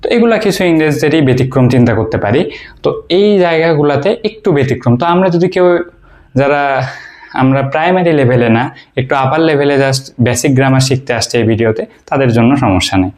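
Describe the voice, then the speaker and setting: A man from Bangladesh teaching basic English grammar in an informal video lecture. He explains step by step, pauses often to think, and asks the listener questions that he answers himself. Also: mid-range voice, animated, a little mellow. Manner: frequent hesitations and fillers while he thinks.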